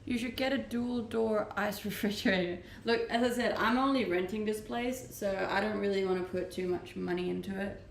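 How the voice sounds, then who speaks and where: A woman from Denmark, with a Danish accent, chats easily on a livestream from her rented home, reading and answering viewer comments and laughing often. Her creaky, medium-pitched voice moves at a moderate pace with hardly any pauses. The recording has roomy echo and slight background noise.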